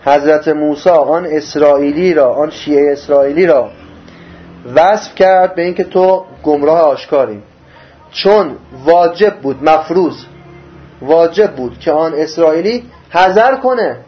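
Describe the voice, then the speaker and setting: A man giving a religious lesson. He reads passages in Arabic, then explains them in plain Persian, asking rhetorical questions. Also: on the high side. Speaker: religious teacher. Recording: dull lo-fi recording.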